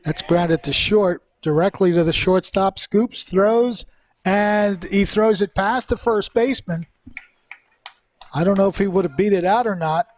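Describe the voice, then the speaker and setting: High-voiced man calling live baseball. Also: unhurried, a little hiss or hum. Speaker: play-by-play sports commentator.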